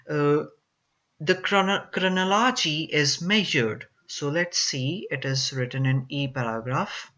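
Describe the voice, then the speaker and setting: Reading-class tutor; bright tone, loose rambling explanations, dull low-fidelity recording. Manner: repetitive, paraphrases text with fillers. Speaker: teacher. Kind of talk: explaining a reading exam passage.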